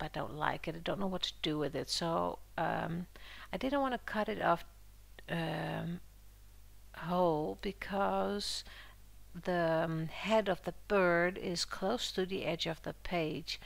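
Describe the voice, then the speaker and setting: A woman hosting a casual art journaling tutorial, a little under the weather, her voice squeaky in places, talking through her steps in a chatty, relaxed way with fillers. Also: creaky. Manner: chatty and relaxed, with frequent fillers and soft laughs. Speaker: art journaling channel host. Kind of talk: casual craft tutorial voice-over.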